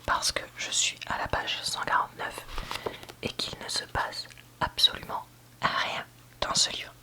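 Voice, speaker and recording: A book reviewer giving a candid, hesitant ASMR review in a soft library whisper, often searching for words. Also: measured pace. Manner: soft library whisper, almost entirely unvoiced. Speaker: book reviewer, video host.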